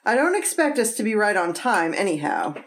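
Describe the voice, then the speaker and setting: An actress playing an attentive, concerned wife in an old-time radio drama, polite and solicitous. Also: female voice, mid-range voice, sing-song, fairly quick, noisy background. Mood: gently concerned.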